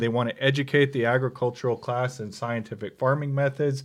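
The recording is very clean, with a silent background. A man with an American accent speaks in an unremarkable speaking voice at a fairly quick pace. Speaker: podcast host, historical society director. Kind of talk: casual chat.

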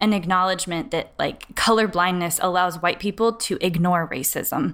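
In a normal speaking voice, a woman with an American accent talks at medium pitch and a moderate pace with ordinary pitch variation, on a very clean recording with a silent background. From Texas, Dallas-Fort Worth area. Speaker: podcast co-host, PhD student. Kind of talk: casual discussion.

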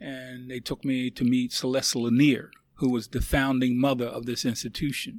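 A man with a normal speaking voice talks at a moderate pace and medium pitch, his intonation fairly even but his loudness swinging widely. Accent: American. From Philadelphia, Pennsylvania. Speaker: heritage center director and former activist. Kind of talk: interview.

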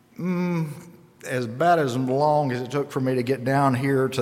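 With a Kentucky accent, a man speaks at a moderate pace in a medium pitch with ordinary pitch variation over noticeable background noise. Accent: Southern US (Kentucky). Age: 60s. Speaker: lay preacher. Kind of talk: sermon. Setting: church. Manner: halting.

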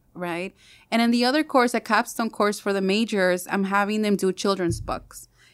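In a very clean recording with a silent background, a woman with an American accent uses an ordinary speaking voice at a medium pitch with ordinary pitch variation. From US (Compton, California) and rural Jalisco, Mexico. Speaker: professor and cultural activist. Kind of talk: interview. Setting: in person at a college.

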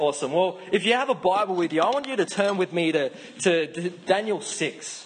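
A high-pitched man speaks at a fairly quick pace with a strong Australian accent and ordinary pitch variation. Noticeable background noise runs behind him. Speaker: youth pastor. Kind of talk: sermon. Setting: church.

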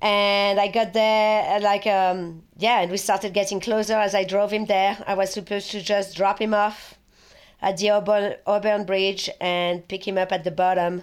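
A woman speaks in a French accent at a medium pitch and moderate pace. Her intonation is a flat monotone, and the recording is very clean with a silent background. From France, Paris. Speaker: BASE jumper and graphic artist. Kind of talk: interview.

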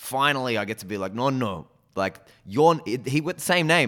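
A man speaks in an Australian accent. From Sydney, Australia. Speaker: comedian. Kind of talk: casual chat.

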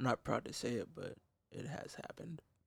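A man is speaking. His voice has vocal fry. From Puerto Rican heritage. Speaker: podcast host. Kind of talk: casual chat.

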